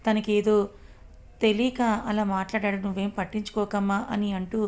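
Consoling middle-aged mother, fast even delivery, read by a woman. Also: medium pitch, close to an everyday voice.

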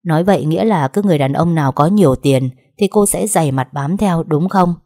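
A cold young man speaks in clipped, contemptuous lines in an audiobook story, read by a woman. The voice is low and mellow, with a dark tone. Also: a little fast.

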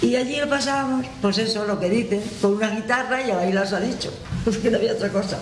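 Older woman with Manchego accent, chatty guest storyteller, high voice, echoey noisy hall. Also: fast talker. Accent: Manchego Spanish. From La Mancha, Spain. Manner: chatty, reminiscing, laughs at herself. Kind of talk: casual storytelling. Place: community hall with audience. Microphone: table mic on stand. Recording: roomy hall, audible noise.

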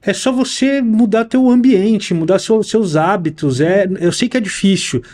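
A man's voice: high voice, unhurried. A man hosting a podcast in casual chat, telling frank stories and acting out what other people said. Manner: animated storyteller, quotes people in their own voices; slangy and frank. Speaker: podcast host.

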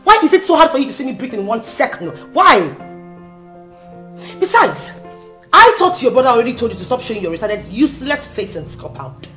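A fiery young wife with a high, swooping voice, as an actress plays her, firing off words at speed. Light music plays faintly underneath. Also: sing-song, a little fast. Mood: indignant. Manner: shouting, hurling insults. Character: fiery young wife, quick-tempered and insulting. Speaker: actress in a drama.

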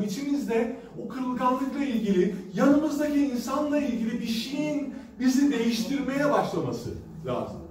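Captured from a distance in an echoey hall with background noise, a male pastor delivers a sermon into a pulpit microphone. His voice is extremely high-pitched with a darkish tone, and he tells stories conversationally, using hesitant fillers.

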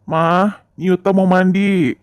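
A man playing a tired, gently stern dad. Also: sits high, slow, clear, resonant tone, no room sound. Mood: scolding. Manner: calm fatherly scolding. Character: tired office-worker father, gently stern. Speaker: voice actor for a father in a game drama. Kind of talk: amateur voice acting for a game-animation drama.

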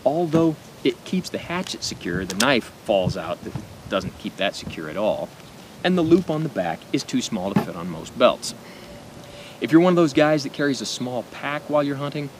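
A middle-aged American man with a speech impediment, giving an informal gear demonstration with deliberate pauses. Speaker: knife and gear reviewer. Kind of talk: informal product demonstration to camera. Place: outdoors at a picnic table in woods. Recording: outdoor noise with low rumble.

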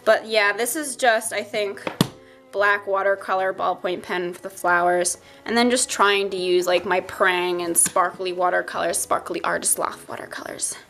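A woman's voice: medium pitch, fairly even intonation, moderate pace, fairly bright tone, faint music behind. A young woman with a stuffy nose chatting casually through a sketchbook tour, rambling and joking at her own expense. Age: young adult. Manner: chatty, self-mocking, rambling asides. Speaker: art YouTuber.

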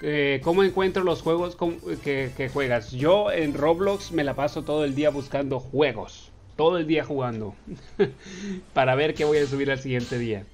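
A young Mexican man with a slightly high voice and a Mexican Spanish accent, chatting through viewer questions for his gaming channel. He reads each question in a raised, playful tone and answers loosely with fillers. Faint music plays under his voice. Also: normal speed. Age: 20s. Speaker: gaming YouTuber. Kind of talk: casual Q&A voice-over over gameplay.

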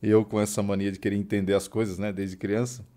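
A man from Brazil, a guest on a podcast, telling childhood stories in a relaxed chat and acting out the voices he quotes. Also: fairly low pitch, fast talker. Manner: animated anecdotes with laughs, acting out quoted voices. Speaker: podcast guest, trumpet player. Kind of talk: casual storytelling interview.

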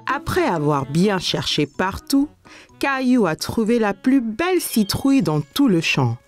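A woman narrating a children's cartoon as a kindly, expressive storyteller. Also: medium pitch, a little slow, soft background music. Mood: storytelling. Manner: expressive, clearly paced storytelling. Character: kindly storyteller narrating a little boy's everyday adventures.

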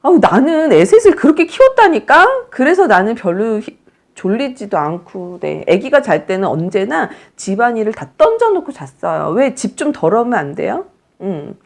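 A woman's voice: mid-range voice, big pitch swings, normal speed, creaky. A middle-aged woman counseling new mothers in a chatty, teasing, scolding way. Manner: chatty, scolding-teasing, acts out moms' thoughts. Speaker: breastfeeding counselor. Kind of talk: advice talk to mothers.

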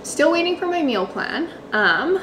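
A woman's voice: high-pitched, big pitch swings, unhurried, noisy background. A woman fitness vlogger chatting casually at home, explaining what she makes as she goes. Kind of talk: casual vlog chat. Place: home kitchen.

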